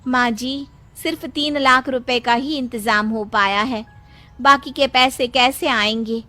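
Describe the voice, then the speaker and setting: A woman's voice: on the high side, measured pace, pushed and bright. A young woman voicing a determined village daughter-in-law in a cartoon, speaking respectfully and earnestly. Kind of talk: cartoon voice acting.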